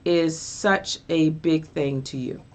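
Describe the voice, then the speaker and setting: A woman's voice: low-pitched, fairly even intonation, slow pace, darkish tone. A woman hosting a radio interview, affirming and encouraging her guest. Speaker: radio show host.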